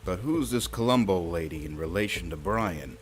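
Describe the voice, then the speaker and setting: A man's voice: deep voice, lively intonation, normal speed, faint music behind. An actor playing a curious, inexperienced male sidekick who keeps asking questions in an audio drama. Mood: puzzled. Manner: questioning, puzzled.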